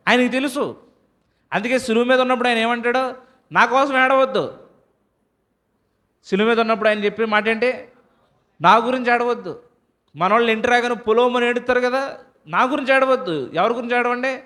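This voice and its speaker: High-voiced preacher quizzing his listeners. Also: a bit bright. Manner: asks the congregation questions and answers them himself; reads scripture slowly and deliberately. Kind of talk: sermon.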